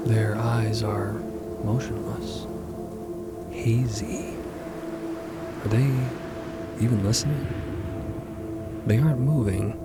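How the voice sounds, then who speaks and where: A male narrator delivers scripted drama with hushed suspense. His pace is very slow and deliberate and his pitch lowish, with music strong behind him. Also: steady tone.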